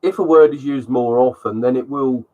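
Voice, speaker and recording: A man hosting a live stream has a cold and sounds sniffly as he works through slides, rambling casually and often saying um. His mid-range voice is warm and moderately paced, though the recording is muffled.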